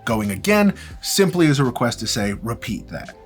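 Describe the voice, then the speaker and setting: A man's voice: mid-range voice, sing-song, normal speed. A man presenting an instructional gear demonstration in an informal, explanatory way with emphatic phrasing. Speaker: presenter of a film-gear tutorial. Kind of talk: instructional product demonstration with casual asides. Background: background music.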